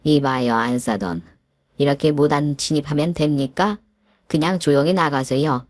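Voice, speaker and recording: A spiteful, scheming mother-in-law with a very deep, low voice, read by a woman storyteller. She sneers and bullies, then stammers when cornered. The recording is dry and close. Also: moderate pace, darkish tone, dry recording. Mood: defensive.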